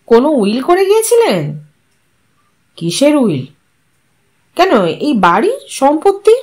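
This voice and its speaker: Lady doing a nosy older uncle, chatty, slow and fond. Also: high-pitched, huge pitch swings, a little mellow, voice pushed up, exaggerated voice. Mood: prying. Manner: prying, chatty.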